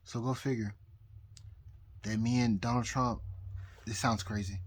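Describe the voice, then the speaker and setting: Very drunk male vlogger, husky mid-pitched voice, halting, repetitive rambling monologue. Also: steady tone. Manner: halting, repetitive, losing his thread. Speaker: amateur astrologer vlogger. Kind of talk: rambling casual monologue to viewers.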